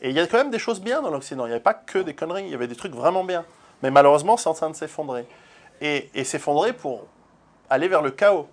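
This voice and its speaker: A man's voice: fairly high pitch, lively intonation, quick pace. A man, an author, answering interview questions in an earnest, forthright way, with many fillers and repeated words.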